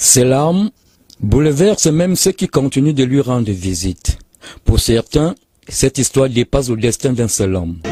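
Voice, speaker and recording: A man talks fairly slowly at a medium pitch, his pitch swinging very widely. The sound is dry and close with no echo, and music plays in the background. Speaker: TV news narrator. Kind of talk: TV news report narration.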